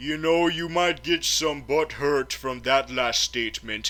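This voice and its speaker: The speaker uses a put-on character voice at a fairly slow pace. Light background noise can be heard. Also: man, fairly high pitch for a man. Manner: joking, mocking.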